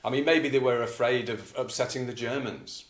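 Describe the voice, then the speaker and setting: A man presenting and reading an old news article aloud in a measured, deliberate way, with casual commentary. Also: medium pitch, steady tone, echoey room.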